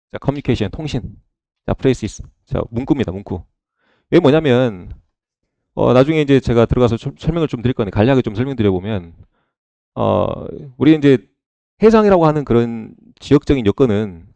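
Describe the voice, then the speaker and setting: A man's voice: medium pitch, dry recording. A middle-aged man giving a recorded online lecture, often checking in with his class and asking them questions. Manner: repeats "자" and checks in with "그죠?"; lively, asks the class questions.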